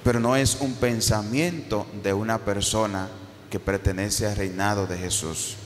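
A man in his thirties, a Catholic priest, preaching a sermon from a pulpit into a stand mic, with a slow rising and falling cadence and repeated phrases. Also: fairly low pitch, fairly even intonation. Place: church, at a pulpit. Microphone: handheld mic on a stand. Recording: reverberant church with faint background noise.

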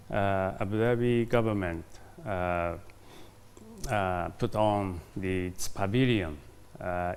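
Man, formal diplomatic interview, very slow and halting, crisp clear voice, lapel mic. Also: on the low side. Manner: halting, many hesitations and fillers. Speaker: ambassador interviewed. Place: formal reception room, indoors.

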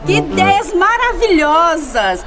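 A woman's voice: extremely high pitch, sing-song, slow pace, full character voice. A woman playing an encouraging, instructive schoolteacher in a radio drama, addressing her pupils. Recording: music behind.

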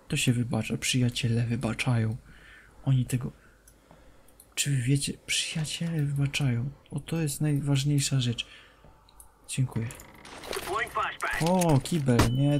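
A young male gaming streamer with a mellow, medium-pitched voice commentates a horror game. He cracks jokes, talks to the game's characters, and throws in English phrases. There's slight background noise.

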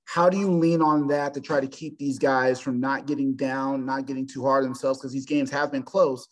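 A man's voice: on the high side, darkish tone. Man asking long rambling questions. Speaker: sports reporter. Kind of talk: press conference questions.

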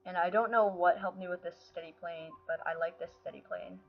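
Soft music plays behind a woman with a lowish, brisk voice who hosts her own gaming channel and chats casually during play. Being sick has affected her voice, and she's often frustrated. The recording is dull and lo-fi, from a built-in mic with no headset.

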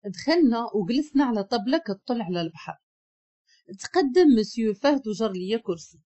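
A woman with a Moroccan accent narrating a first-person story in an expressive, emotional way. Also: fairly high pitch, a little fast, dull audio.

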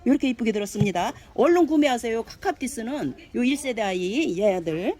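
A woman's voice: a little high, lively intonation, fairly quick, dark tone. Gushing woman selling succulents. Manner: gushing, exclaims over each plant; cheerful and chatty, talks to herself aloud. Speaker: succulent seller. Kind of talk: live sales pitch.

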